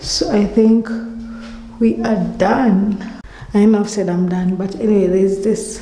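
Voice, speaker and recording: Amid light background noise and audible room echo, a woman speaks at a very slow pace with long, frequent pauses and monotone, flat intonation. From Kenya. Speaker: food and lifestyle vlogger. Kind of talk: house tour vlog. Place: home room. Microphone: phone near.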